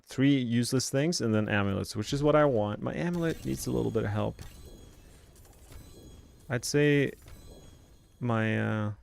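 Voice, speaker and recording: A man's voice: medium pitch, measured pace, vocal fry, long pauses, darkish tone. A man from Sweden with a light Swedish accent, chatting casually on a live stream as he plays, rambling along with plenty of fillers. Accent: Swedish, lightly softened. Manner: rambling, filler-heavy, musing aloud. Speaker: game streamer. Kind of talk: casual live-stream chat over gameplay.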